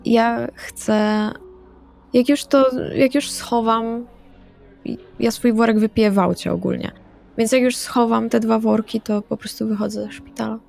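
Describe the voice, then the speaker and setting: A woman plays casually in a tabletop roleplaying game. She has a mellow, mid-pitched voice with noticeable fry, over faint music. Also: steady tone, unhurried.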